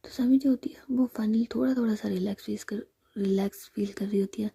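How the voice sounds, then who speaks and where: Breathy whispering woman storyteller. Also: mid-range voice, fairly even intonation. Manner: soft, unhurried narration. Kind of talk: whispered role-play.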